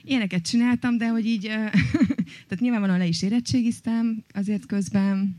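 Woman storyteller, chatty and halting, warm tone, close and dry. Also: medium pitch, fairly even intonation, no echo. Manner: chatty, many fillers and hesitations. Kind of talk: personal story told on stage.

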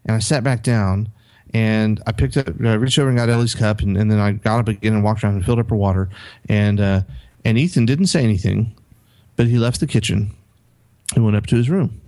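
A man's voice: lowish voice, fairly quick, a little mellow. A middle-aged man on a podcast, casually telling a story with many restarts and acted-out quotes. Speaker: podcast co-host.

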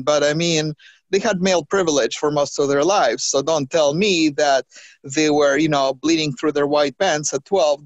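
A trans woman talking as a podcast guest, animated, with quick restarts and acted-out quotes. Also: sits low, no room sound, highs cut off. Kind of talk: conversational interview.

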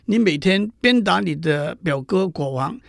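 A man's voice: high-pitched, animated, measured pace, vocal fry, no echo, studio quality, full character voice. A man voicing a cunning storybook king. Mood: feigning weakness. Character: clever, resolute king in disguise.

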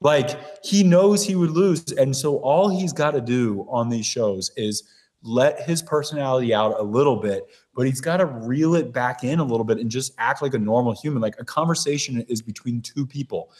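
A man's voice: mid-range voice, moderate pace, a little mellow. A man who is a guest on a podcast, talking bluntly and animatedly in casual chat and sometimes mimicking other people.

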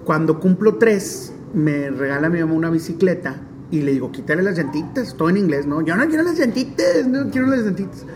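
A man in his forties from Monterrey with a northern Mexican accent, telling stories in an interview in a chatty, animated way with many fillers. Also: on the high side, brisk, few pauses, background noise. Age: 40s. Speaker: stadium DJ and announcer. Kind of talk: relaxed storytelling interview.

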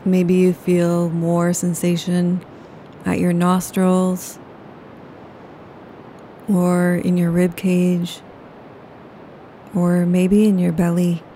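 Female meditation guide, low flat calm delivery, warm dark tone. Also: a little hiss or hum. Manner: slow, soothing, unhurried. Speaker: yoga nidra guide.

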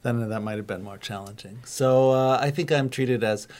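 A man's voice: medium pitch, moderate pace, darkish tone. An American man, a university rector, answering questions as a podcast guest in a thoughtful, self-deprecating way. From United States. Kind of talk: relaxed conversational interview.

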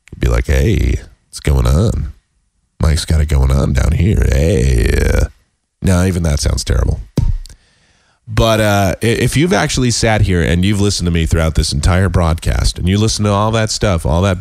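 A man hosting a casual sports podcast, hoarse and sick with a cold, talking in a rambling, self-deprecating way with many halting restarts. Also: fairly low pitch, darkish tone, dry recording, clean studio sound. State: hoarse, losing his voice. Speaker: podcast host.

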